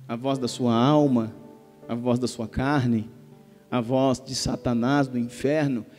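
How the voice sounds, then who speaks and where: A man with a Brazilian Portuguese accent preaching a sermon as pastor, emphatic and swinging between soft and loud. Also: medium pitch. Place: church. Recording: reverberant church hall with soft music.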